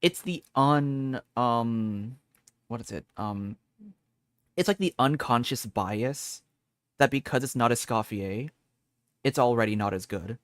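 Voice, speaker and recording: A man giving casual commentary on a game, thinking aloud in a halting, repetitive way. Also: mid-range voice, no echo, clean studio sound. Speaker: streamer. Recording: game music behind the voice.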